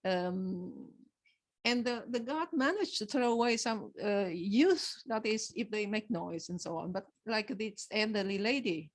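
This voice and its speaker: A woman researcher answering questions at a seminar, speaking haltingly with many restarts as she searches for words. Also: mid-range voice, expressive.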